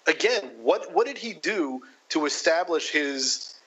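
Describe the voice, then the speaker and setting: A man's voice: on the high side, lively intonation, a little slow, a bit bright, breathy edge, dull audio. A man co-hosting a casual film discussion, enthusiastic and building his points through restarts. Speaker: podcast co-host.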